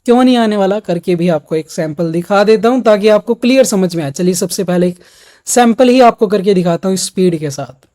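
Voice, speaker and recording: A man's high, warm voice moves a little fast as he coaches exam candidates in an instructional video, addressing the viewer directly as he explains each step.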